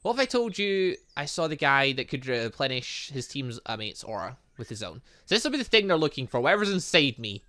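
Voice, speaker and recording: Here the same YouTuber's mid-range voice is very animated and a little fast, with few pauses and a bright, forceful tone, and there's no room sound at all. He's reading visual novel dialogue in a let's play, adding commentary and often stumbling, then fixing his mistakes.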